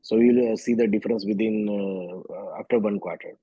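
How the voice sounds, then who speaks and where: A man with an Indian accent answering as a company executive on an earnings call, halting and often switching between Hindi and English. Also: fairly low pitch, fairly even intonation, husky. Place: remote conference call. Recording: dull, echoey conference call audio.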